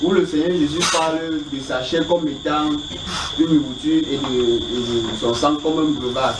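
A man asking questions about the Bible in a halting, roundabout way, repeating himself often. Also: a little high. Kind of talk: informal spoken question. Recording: echoey, distant, noisy pickup.

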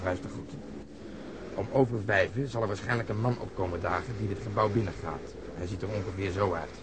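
An actor playing a blunt, sardonic, impatient police detective in a radio drama. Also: male voice, lowish voice, fairly quick, close to an everyday voice. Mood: brisk. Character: gruff, sarcastic, impatient plainclothes police detective, male. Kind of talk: Dutch radio drama acting. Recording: noisy old radio drama recording.

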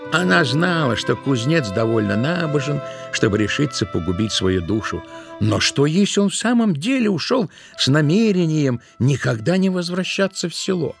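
A man's voice: mid-range voice, vocal fry. A man reading scripted literary narration as the narrator of an audio play. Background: music.

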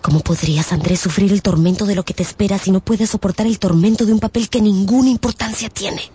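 Husky young gypsy girl. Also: medium pitch, fairly even intonation, quick pace, warm tone. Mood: teasing, composed. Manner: formal, old-fashioned theatrical speech. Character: Preciosa, poised young gypsy dancing girl. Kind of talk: radio drama acting of a classic tale.

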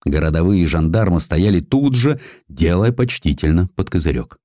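A man reading a historical sketch as a dramatic audiobook narrator, expressive and emphatic, with deliberate pauses. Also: deep voice, dry recording, studio quality.

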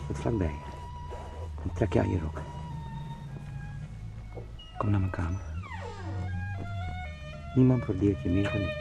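A man's voice: low voice, unhurried, creaky, pauses often, music in the background, rough recording. An actor playing an anguished, obsessive young man turned into a giant beetle, pleading and brooding in an intimate radio drama. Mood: obsessive, yearning.

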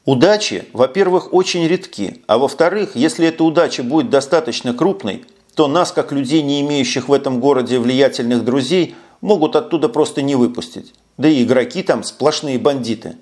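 A worried young man pleads and lectures with nervous caution, as a male audiobook narrator voices him. His pitch sits in an ordinary middle range. The tone is anxious and insistent rather than theatrical. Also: brisk, hardly any pauses, darkish tone, natural voice. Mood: anxious warning.

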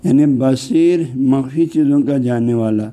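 Male scholar, religious lecture, very dark mellow voice, frequent fillers, slow arabic readings. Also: medium pitch. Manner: explains word by word, with frequent "haan ji" fillers; reads Arabic phrases slowly. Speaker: Islamic scholar.

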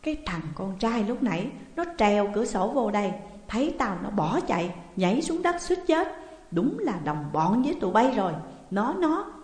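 A woman plays a shrill, cunning middle-aged matron, screeching accusations in a high, loud voice. The reading sits in a roomy space with a long, ringing reverb. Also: sing-song, moderate pace, natural voice. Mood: shrieking.

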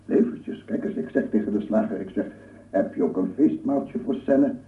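A man's voice: on the low side, normal speed, natural voice. An actor playing an obsessive lone scientist in a radio play, cooing and murmuring repetitively as he does with his dog. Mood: fond, coaxing. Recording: echoey, distant, phone-like old radio recording.

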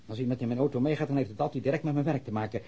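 An actor playing a formal, evasive ex-convict villager being questioned by police in a radio drama. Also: male voice, mid-range voice, racing, dark tone, husky. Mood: defensive, evasive. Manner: stiff, precise, evasive. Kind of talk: naturalistic Dutch radio drama acting. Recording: muffled, dull radio drama recording.

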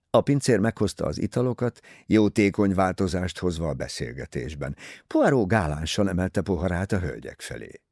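Male audiobook narrator: low, gravelly, very animated dramatic reading, close dry studio sound. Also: dry recording. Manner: expressive, dramatic. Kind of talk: scripted narration.

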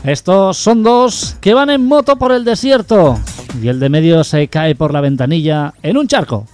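A man co-hosting a local radio comedy show with a Catalan Spanish accent, reading out quick riddle jokes deadpan. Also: a little high. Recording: radio show with music clearly behind.

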